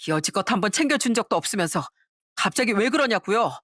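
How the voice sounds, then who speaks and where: A woman's voice: medium pitch, expressive, fast talker, fairly bright tone, no room sound. A woman voicing a grown son who reproaches his mother, in a dry recording. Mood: reproachful. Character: resentful adult son confronting his mother.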